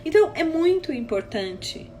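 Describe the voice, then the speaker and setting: Woman, therapist, high-pitched, very expressive intonation, storytelling with quoted dialogue, faint background noise. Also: normal speed, faint music behind. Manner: animated retelling with acted dialogue and frequent checks like "tá?". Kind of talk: Instagram live talk with anecdotes.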